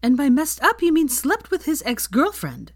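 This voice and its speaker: A brisk, earnest young woman, patient but quick to bristle, read by a woman telling the story. Her voice sits a little higher than the narration. The recording is dry and close. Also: big pitch swings, no room sound. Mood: earnest, annoyed.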